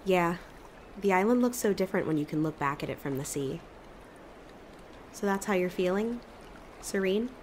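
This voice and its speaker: An actress as a young woman cryptid in an audio drama, on the low side in pitch. She is anxious yet wry and teasing, speaking naturally over faint ambient noise. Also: animated, moderate pace, pauses often, a little mellow, close to an everyday voice. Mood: curious, teasing. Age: young adult. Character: worried young woman cryptid with emotion-reading power, wryly teasing.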